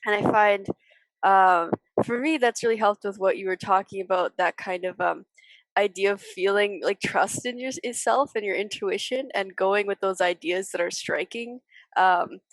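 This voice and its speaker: A woman's voice: medium pitch, normal speed, dry recording, poor audio. A young woman co-hosting a podcast in casual conversation, tentative, sprinkling in "like" and "kind of". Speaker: podcast co-host.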